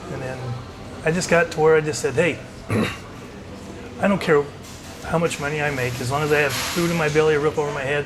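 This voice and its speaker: Amid audible room echo and noticeable background noise, a man talks at a very fast pace with fairly even intonation, broken by long, frequent pauses. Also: fairly high pitch for a man. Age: 60s. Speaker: retired engineer and business owner, expat. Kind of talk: casual interview chat. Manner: halting, repeats words.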